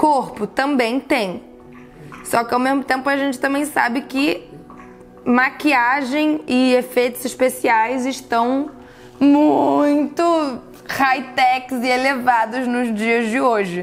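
A woman's high voice at a very slow pace, with faint music in the background. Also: ordinary pitch variation. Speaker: youtuber. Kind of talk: reaction video commentary. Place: home room. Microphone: lapel.

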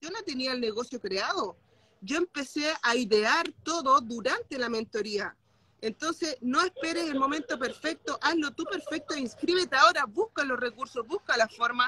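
At a moderate pace, a woman speaks in a high voice, and the sound is dry with no echo. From Chile. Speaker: mentorship student testimonial. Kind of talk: casual testimonial. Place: home room. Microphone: video call.

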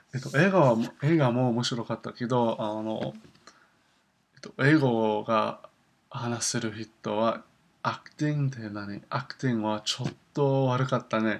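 With ordinary pitch variation, this man's speech proceeds fairly slowly. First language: English (speaking Japanese). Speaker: language learner vlogger; Japanese learner vlogger. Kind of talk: casual video diary. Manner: halting, many fillers. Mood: cheerful, smiling. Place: home room. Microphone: webcam.

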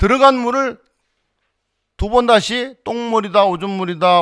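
Against a quiet background, a man talks at a moderate pace in a high pitch, his tone bright and sharp and his intonation lively. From Korea, Chungcheong (Gongju); Chungcheong, Korea. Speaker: Buddhist monk leading a Sunday service. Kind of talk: dharma talk. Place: hall. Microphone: studio mic.

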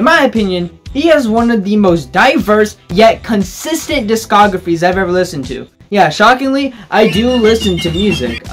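Faint music plays behind a man who speaks at a moderate pace. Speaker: youtuber. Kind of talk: casual vlog commentary. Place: home room.

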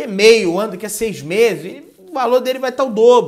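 An animated, high-pitched man at a fairly quick pace, with ordinary pitch variation and a quiet background. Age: 20s. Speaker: football YouTuber. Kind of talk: casual sports commentary monologue. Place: home room.

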